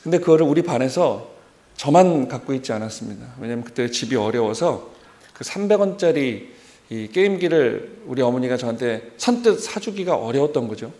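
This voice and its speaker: A man in his forties preaching a sermon, telling a personal story in an animated way and acting out remembered dialogue. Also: mid-range voice, normal speed. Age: 40s.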